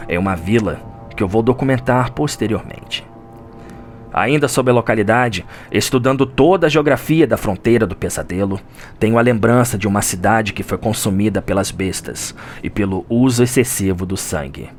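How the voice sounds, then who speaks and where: A Brazilian man delivering a solemn, theatrical scripted narration in the manner of a suspenseful audio drama. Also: fairly low pitch. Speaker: narrator of a video game lore audio drama. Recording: music under the voice. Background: background music.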